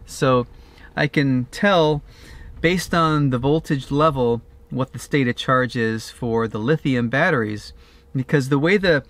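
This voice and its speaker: A man's voice: medium pitch, measured pace, a bit bright, dry recording. A man in his fifties, an RV vlogger, casually explaining a DIY setup step by step with frequent "uh" restarts, filmed at arm's length outdoors and in a van cab.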